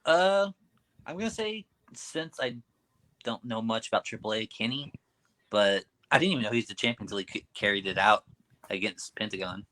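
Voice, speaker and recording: A man's voice: fairly low pitch, expressive, moderate pace, bright, forceful tone. A young man from Texas co-hosting a casual podcast, laid-back and self-mocking. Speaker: podcast co-host. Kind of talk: casual chat.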